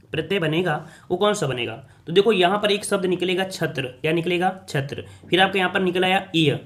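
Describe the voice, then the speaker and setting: A man leads a coaching lesson and works through quiz answers one by one. His voice sits a little high. He poses each question aloud, then repeats it and answers it himself. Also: a bit bright. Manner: repetitive, asks and answers his own questions. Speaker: exam coaching teacher. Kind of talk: spoken quiz walkthrough lesson.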